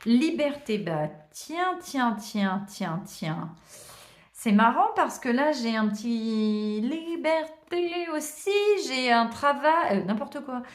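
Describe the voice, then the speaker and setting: Chatty tarot reader, roomy echo. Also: female voice, high voice, expressive, takes it slowly, few pauses. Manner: chatty, warm thanks, many hesitations and small laughs. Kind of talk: casual card-reading chat to viewers.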